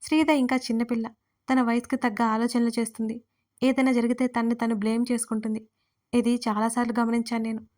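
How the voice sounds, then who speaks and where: Give me a stern, serious husband in an audio story, voiced by a woman in a higher, even voice. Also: a little fast, close to an everyday voice. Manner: stern, grave. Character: serious protective husband, adult man.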